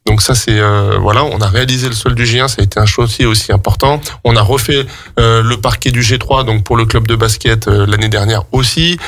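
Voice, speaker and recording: A man with a French accent speaks as a guest in a radio interview. He explains practical matters step by step, halting and hesitating as he searches for words. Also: medium pitch, fairly even intonation, fairly bright tone. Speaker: guest, public sports facilities staff.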